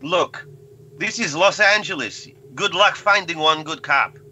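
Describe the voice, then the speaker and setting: Guy player in a tabletop game, bright voice, slightly high, dry deadpan jokes, lots of uh's. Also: a little slow, muffled recording, slight background noise. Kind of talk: in-character tabletop roleplay.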